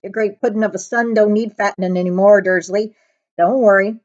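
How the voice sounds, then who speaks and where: A woman voicing a friendly, gruff, hungry giant man from a storybook, with rustic, ungrammatical speech. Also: mid-range voice, fairly even intonation, a little fast, a little mellow, highs cut off, natural voice. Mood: gruff, mocking.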